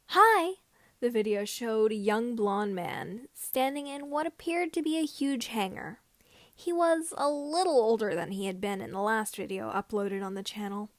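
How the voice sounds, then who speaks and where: High-voiced woman narrating fiction. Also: no echo. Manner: somewhat halting phrasing. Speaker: podfic reader.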